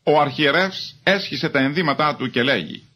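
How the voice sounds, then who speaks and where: A man giving a measured, formal reading of scripture as a Bible reader. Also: fairly high pitch, bright, forceful tone.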